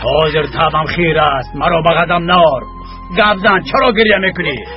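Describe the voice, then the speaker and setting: A man's voice: on the high side, lightly acted. An actor dubbing a guilt-ridden older man with a Tajik accent, speaking in an agitated, anguished manner. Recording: dull dub track with loud music.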